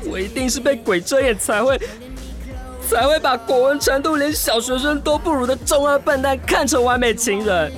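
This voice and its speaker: A man's voice: very high-pitched, moderate pace, soft background music. A man with a Taiwanese Mandarin accent acting a jilted, sarcastic, hot-tempered gay lover in a modern radio drama. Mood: outraged, bitter. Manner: expressive, swearing, muttering to himself.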